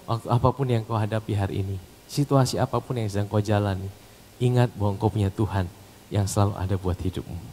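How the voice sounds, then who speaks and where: A pastor preaching a sermon. He rises to loud, emphatic calls and drops to soft, low asides. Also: steady tone, fast, a little hiss or hum. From Indonesia. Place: church hall. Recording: long hall reverb.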